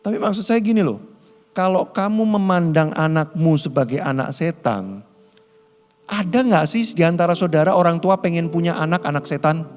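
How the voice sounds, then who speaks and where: A man's voice: a little high, normal speed, long reverb tail. A man preaching a sermon in casual flavored speech, telling stories and acting out the people in them. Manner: lively storytelling, acts out quoted voices, often says "saudara". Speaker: pastor.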